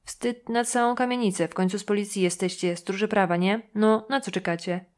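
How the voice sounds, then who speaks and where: A woman's voice: medium pitch, fairly even intonation, fairly quick, lightly acted. A leering, paunchy neighbor man in his sixties, as a woman reads him. He drawls and hints meaningfully, a nosy gossip in an audiobook. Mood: insinuating. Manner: drawling, insinuating.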